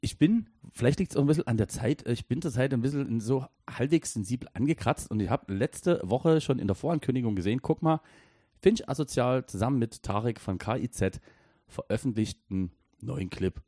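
A man's voice: medium pitch, animated, brisk, warm tone, no room sound, studio quality. A man from Dresden in his thirties, co-hosting a casual podcast chat in a rambling, hesitant way full of fillers and restarts. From Dresden, Germany. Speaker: podcast co-host and editor.

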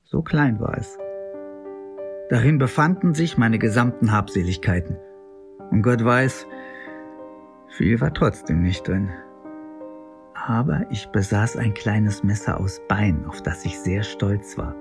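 An actor playing an earnest, unsure young medieval crusader in a musing, self-questioning radio play monologue. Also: male voice, lowish voice, measured pace, gravelly, long pauses, music in the background. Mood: proud, confiding.

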